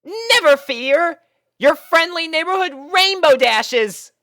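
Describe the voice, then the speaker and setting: A man doing a brash tomboy pegasus in falsetto. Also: expressive, takes it slowly, no echo, studio quality, full character voice. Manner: high strained falsetto, loud and brash. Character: brash tomboyish female pegasus pony, cocky.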